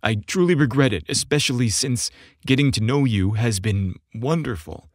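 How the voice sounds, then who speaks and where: A man's voice: mid-range voice, expressive, moderate pace, no room sound, clean studio sound, lightly acted. A man voicing an earnest, nervous gay man in audiobook dialogue, speaking hesitantly and sincerely. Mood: apologetic.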